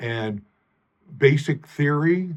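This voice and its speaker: A man talks at a fairly high pitch for a man, somewhat breathy. His pitch varies in an ordinary way. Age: old. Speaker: guitar teacher. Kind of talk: casual talk to camera.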